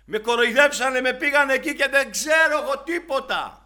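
Frantic shouting man, as a preacher puts him on, high strained voice, bright and forceful. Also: heavily acted. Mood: panicked denial. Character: panicked man shouting denials of his faith.

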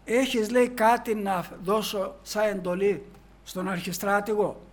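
A man preaching in a storytelling way, reading old scripture verses slowly and then explaining them in everyday speech, with many "he says" asides. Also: high-pitched, fairly even intonation. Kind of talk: sermon retelling a Bible story.

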